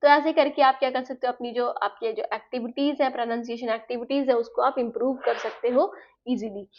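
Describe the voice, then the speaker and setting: A woman's voice: a little high, steady tone, a little fast. A woman teaching a lesson to teacher-training students, explaining step by step in Hindi mixed with English terms. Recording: slightly dull, lo-fi sound.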